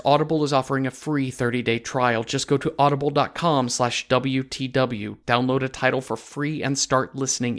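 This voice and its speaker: A man reading a podcast sponsor message in a conversational, informal way, with playful deadpan humor. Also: mid-range voice.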